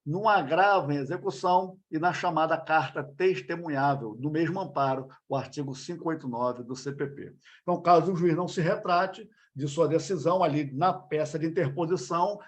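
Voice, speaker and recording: A man's voice: fairly high pitch, moderate pace. Brazilian man teaching a law lesson. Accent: Brazilian Portuguese. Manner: conversational, many fillers and checks like "tá ok?"; repeats points and restarts phrases. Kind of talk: recorded exam-prep lecture.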